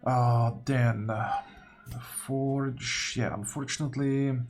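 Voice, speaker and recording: A man commentates on his own gameplay at an unhurried, slow pace. His mid-pitched voice has a lot of fry in it. He muses hesitantly to himself as he works through decisions, with faint music behind him. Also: fairly even intonation, a little mellow. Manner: musing, hesitant, talking to himself. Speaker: gaming video host. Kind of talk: unscripted game commentary, thinking aloud.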